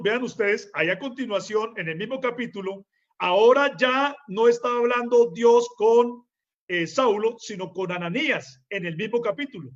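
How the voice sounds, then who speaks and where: A man's voice: high-pitched, fairly bright tone, muffled recording. A male preacher teaching from the Bible in a sermon, emphatic, often putting rhetorical questions to his listeners.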